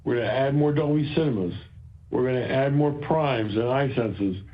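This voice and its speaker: A man speaking as a company executive on an earnings call, explaining in a halting way and repeating phrases for emphasis. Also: medium pitch. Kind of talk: earnings call remarks, semi-prepared explanation. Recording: dull, band-limited conference call audio.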